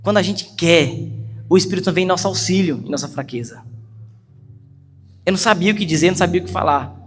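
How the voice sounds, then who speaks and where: High-voiced Brazilian preacher in a reverberant hall. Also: male voice, fast. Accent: Brazilian Portuguese. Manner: earnest, animated storytelling that swells into urgent emphasis. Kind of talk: storytelling sermon. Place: church hall. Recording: long hall reverb with faint music.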